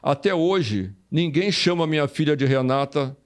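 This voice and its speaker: An older Brazilian former footballer, a guest in an interview, telling stories casually, repeating phrases and acting out quoted voices. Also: male voice, fairly high pitch, animated, normal speed, smooth.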